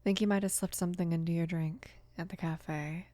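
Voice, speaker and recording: A woman of about twenty playing a mafia boss's protective, casual daughter in an intimate ASMR roleplay, speaking softly and unhurriedly, often slipping into a whisper. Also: fairly even intonation, dry recording, natural voice. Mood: calm, confiding. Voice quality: soft, breathy whispering mixed with low murmur. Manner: hesitant, unhurried, casual with small pauses. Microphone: close microphone, dry.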